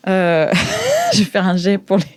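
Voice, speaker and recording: A woman's voice: medium pitch, wildly swooping pitch, measured pace. A woman narrating an improvised tabletop game informally as game master.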